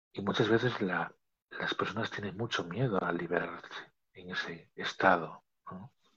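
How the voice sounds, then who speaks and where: A man speaks with a fairly low pitch and ordinary pitch variation. His loudness swings widely. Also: fairly slow pace. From Galicia, Spain. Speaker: podcast host. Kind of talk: reflective monologue. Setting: late night recording. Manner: halting.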